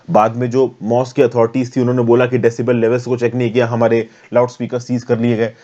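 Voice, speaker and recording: A man's voice: medium pitch, a little mellow, dull audio. An Indian man giving an explanatory current affairs lecture in a conversational, step-by-step manner, mixing in English terms. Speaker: teacher, current affairs educator.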